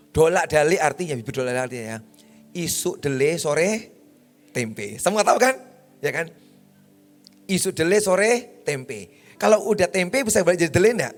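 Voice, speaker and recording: A male pastor from Makassar preaching a sermon in a blunt, emphatic way, often calling out to the congregation. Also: sits high. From Makassar, Indonesia.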